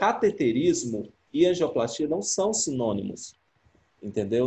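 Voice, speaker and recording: Vocal fry marks this man's voice. Very wide pitch swings run through it. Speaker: radiology lecturer. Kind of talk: online lecture.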